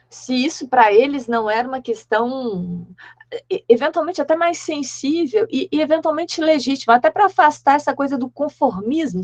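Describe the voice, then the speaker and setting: A woman academic giving a discussant's comments on a video call, thinking aloud with many halting restarts. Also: on the high side. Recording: dull lo-fi call audio.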